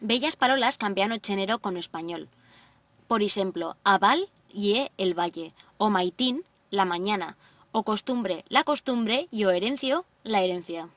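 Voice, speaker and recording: A woman's voice: medium pitch, expressive, fairly bright tone, no echo, recorded from a distance. Woman reading a language lesson. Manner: clear, deliberate word-by-word reading. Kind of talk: scripted lesson narration.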